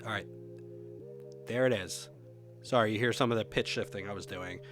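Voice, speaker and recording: A man presents a music production tutorial, casually walking through software and thinking aloud informally as he demonstrates. His voice sits lowish and he speaks at a moderate pace.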